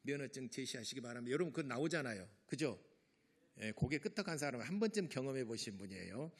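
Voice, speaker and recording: A man's voice: medium pitch, sing-song, quick pace, slightly rough. A middle-aged man preaching a sermon as pastor, talking casually to the congregation and acting out the people in his stories. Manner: conversational preaching with acted-out quotes.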